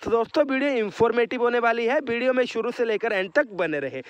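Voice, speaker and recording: Male teacher, very high voice, quizzes and answers himself, dry close sound. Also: fast talker, clear, resonant tone, no echo. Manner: repeatedly addresses viewers as friends, asks and answers own questions; drawls out letter sounds for viewers to repeat. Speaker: exam prep teacher. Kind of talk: online lesson.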